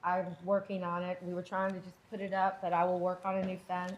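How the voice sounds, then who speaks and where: A middle-aged woman with a loud voice giving informal testimony at a public meeting, earnest, defensive and rambling. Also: lowish voice, monotone, fairly quick, muffled recording. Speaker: property owner addressing a board. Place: indoor public meeting room.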